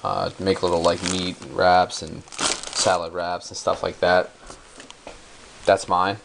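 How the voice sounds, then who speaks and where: Young male vlogger, very low-pitched, casual and profane, filler-heavy; home kitchen, handheld cam, crinkly packaging noise. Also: little pitch movement, slow, gravelly. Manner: laid-back, slangy and profane, many ums and uhs. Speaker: bodybuilder vlogger. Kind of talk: casual grocery haul show-and-tell. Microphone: handheld camera held close. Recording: crinkling bags and clicks close by.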